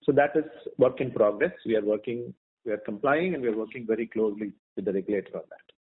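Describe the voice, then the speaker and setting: A male executive with an Indian accent comes through a tinny, phone-like conference line. He explains things in a measured, semi-formal way, pausing hesitantly as he works through his answers. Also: on the low side. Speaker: company executive answering investor questions. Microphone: conference call line.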